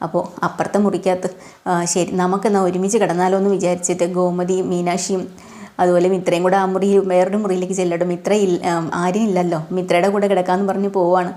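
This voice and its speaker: A woman's voice: lowish voice, level tone, fast talker, dark tone. A woman retelling a TV serial episode in a chatty way, talking straight to her listeners. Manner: chatty, addressing listeners directly. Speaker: serial recap narrator.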